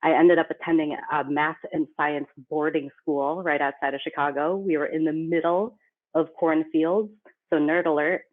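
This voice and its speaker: A woman's voice: sits low, fairly even intonation, moderate pace. A woman from the Philippines, a company CEO, talking casually as a podcast guest in a chatty, self-deprecating way. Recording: tinny phone-like remote line.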